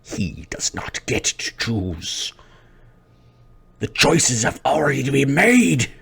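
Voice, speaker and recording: Deep, gravelly, slow-menacing villain. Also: male voice, very animated, pushed and bright, exaggerated voice. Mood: imperious menace. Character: menacing, creepy, coldly logical shadowy villain creature. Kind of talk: tabletop game role-play.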